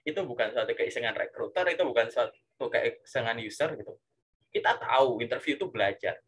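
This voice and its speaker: Husky man coaching with rhetorical questions. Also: medium pitch, fairly quick. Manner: animated, leans heavily on filler tags. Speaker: career coach. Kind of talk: casual coaching chat.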